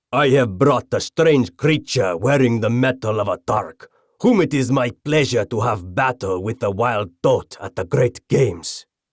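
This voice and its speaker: A man puts on a loud character voice at a medium pitch, with lively intonation and a moderate pace. The sound is dry and close, with no echo. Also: very clean recording, silent background. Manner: loud, menacing.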